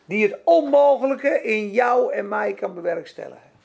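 A man's voice: high voice, lively intonation, normal speed, creaky, darkish tone. A man teaching a Bible lesson, preaching emphatically and repeating key words for effect.

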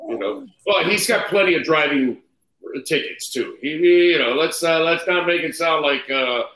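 A man's voice: fairly high pitch, normal speed, fairly bright tone. A man hosting a sports podcast in a casual, joking, teasing way, his voice echoing as if in a big room. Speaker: podcast host. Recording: echoey, reverberant room sound.

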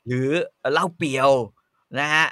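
Male podcast host, bright tone, loose rambling delivery full of fillers. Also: unhurried, no room sound, studio quality. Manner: rambling, thinks aloud with many fillers and restarts. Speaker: podcast history storyteller. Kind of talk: casual explanatory chat.

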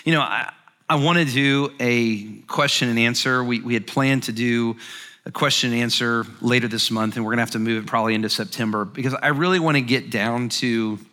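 Bright-voiced animated male preacher. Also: mid-range voice, fairly quick, big-room sound. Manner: animated, acts out quoted voices, frequent repeated words. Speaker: pastor. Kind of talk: sermon. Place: church sanctuary.

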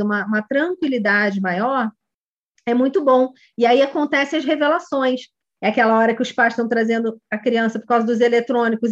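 A woman's voice: fairly high pitch, muffled recording. A woman with a Brazilian Portuguese accent, a kid coach instructor giving a chatty online course lesson and talking to students by name.

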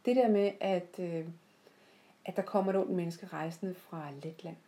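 A woman telling personal stories off the cuff in a heartfelt, reflective way, often pausing mid-sentence. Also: lowish voice, steady tone, warm tone. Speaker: podcast host. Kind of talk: unscripted reflective personal storytelling.

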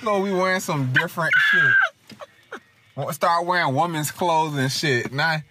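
A man's voice: a little high, a little slow, bright, forceful tone, slight background noise. A man who is a podcast guest, casually telling jokes and stories, speaking in African American English. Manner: joking, storytelling, profane. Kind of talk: casual chat.

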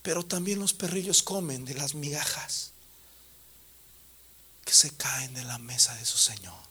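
A man voicing a calm, gentle teacher who speaks low and half-whispered. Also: unhurried, breathy edge, full character voice. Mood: gentle solemn.

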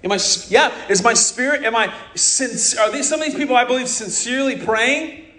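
A man from America preaching a sermon, blunt and scornful, slowing hard on key words for emphasis. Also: very high-pitched, sharp tone, echoey room.

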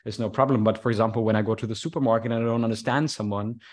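A man's voice: lowish voice, fairly even intonation, racing. Hesitant male podcast host. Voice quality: single-sided deafness. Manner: hesitant, many fillers and restarts. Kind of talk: casual conversation.

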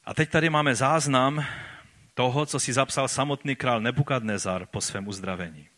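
A man preaching a sermon and reading scripture aloud, rising for emphasis and then dropping to slow, quiet lines. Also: medium pitch.

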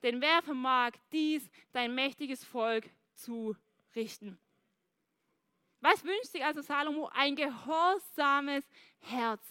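A woman preaching a sermon at a church service, lively and speaking straight to the congregation. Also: high voice, slow pace, dry recording. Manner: lively, addresses the congregation directly.

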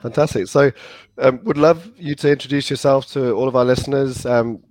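A man hosting an interview, his voice croaky and hoarse from a cold, speaking politely with some hesitation. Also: mid-range voice, steady tone, fairly quick, darkish tone. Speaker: host.

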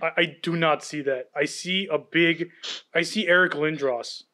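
Confident man, slightly high voice. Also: moderate pace, pushed and bright. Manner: confident, breaks down players with enthusiasm. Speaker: podcast co-host. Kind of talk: casual sports chat.

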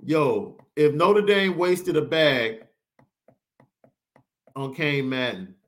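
Male podcast host, excitable slangy sports talk, lively pitch. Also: extremely slow. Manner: excited, slangy, reads super chats. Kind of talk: animated sports podcast banter.

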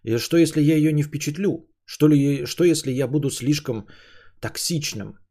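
With a fairly high pitch and a normal pace, a thirty-something podcast host wanders through a solo monologue of musings. His casual swearing comes through as he shifts between more animated and calmer moments.

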